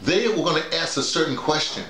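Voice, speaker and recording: A middle-aged or older man talking casually and emphatically to colleagues like a teacher, often halting and repeating his words over and over. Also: a little high, animated, bright, forceful tone. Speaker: workshop leader and radio drama teacher. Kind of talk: casual informal explanation to colleagues. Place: small indoor room with bare walls, seated. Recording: roomy, echoing small room.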